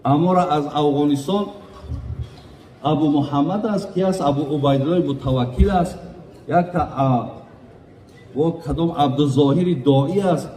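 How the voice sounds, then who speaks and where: A man's voice: fairly high pitch, long pauses, mellow, a little hiss or hum. A man with a Tajik accent gives an earnest wedding sermon as a preacher, often addressing his listeners as brothers. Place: large echoey hall at a wedding. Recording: echoey hall, voice from far off.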